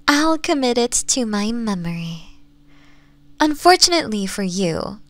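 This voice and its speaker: A woman voicing a flirtatious, possessive nine-tailed fox woman in an ASMR roleplay, speaking softly and coaxingly and slipping into breathy whispers. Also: mid-range voice, no echo. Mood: serious, gentle.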